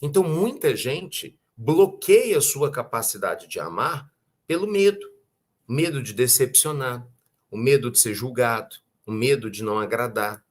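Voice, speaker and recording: A man with a Brazilian accent giving a conversational spiritual talk, often asking rhetorical questions and clearing his throat. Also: medium pitch, animated, unhurried. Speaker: spiritual teacher.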